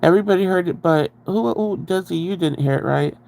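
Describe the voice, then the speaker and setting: A man's voice: high voice, a little fast, creaky, a little mellow. A man hosting a casual livestream, chatting in a rambling way and greeting viewers, his voice nasal and congested from a cold, speaking very close to the microphone so his breathing comes through. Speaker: livestream host. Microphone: very close to the microphone, breathing audible.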